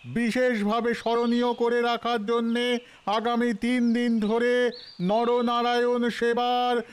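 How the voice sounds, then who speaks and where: A man voicing a cartoon town crier, calling out news in drawn-out, repetitive announcements. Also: very high-pitched, completely flat delivery, slight background noise. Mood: proclaiming. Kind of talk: cartoon voice acting.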